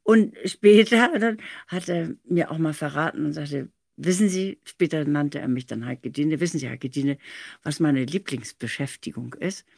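An older woman recalling studio work in an animated, anecdotal way, with emphatic stress on key words. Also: low voice, moderate pace, vocal fry, no room sound. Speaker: audio drama director recalling studio work.

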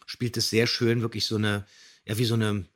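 A man's voice: on the low side, level tone, moderate pace. A man co-hosting a podcast, giving detailed, appreciative commentary on radio plays in conversation. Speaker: podcast co-host.

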